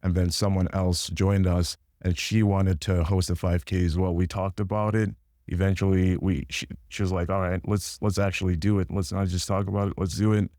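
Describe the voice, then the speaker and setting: Deep, flat-voiced young man. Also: normal speed, no echo, clean studio sound. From Congo. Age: young adult. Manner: relaxed, hesitant with many ums. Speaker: student organizer. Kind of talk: casual interview chat.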